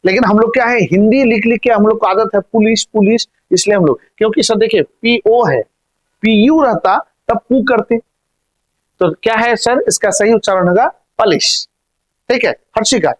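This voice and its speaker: A man's voice: high-pitched, moderate pace. A male grammar teacher explains, constantly asking questions and answering them himself. He repeats words for emphasis and keeps addressing the class as "sir". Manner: calls listeners "sir" often. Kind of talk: classroom-style grammar lesson in Hindi.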